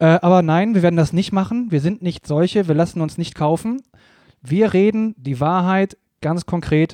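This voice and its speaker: A man speaks at a moderate pace in a high pitch with a dark, mellow tone and ordinary pitch variation. The background is quiet, and the sound is dry and close with no echo. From Essen, Ruhr area. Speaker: freelance .NET developer. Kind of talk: casual chat.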